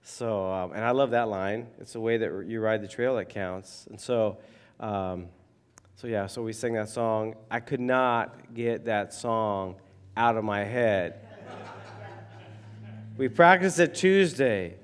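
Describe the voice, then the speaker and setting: Hoarse man preaching in a reverberant hall. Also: lowish voice, takes it slowly. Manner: rambling, conversational, many fillers. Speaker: pastor. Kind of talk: casual sermon.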